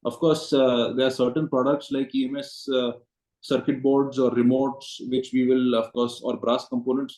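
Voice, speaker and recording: Male executive, Indian accent, relaxed dark tone, measured explanatory delivery with pauses, roomy conference call audio. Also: mid-range voice. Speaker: company executive. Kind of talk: earnings call answers.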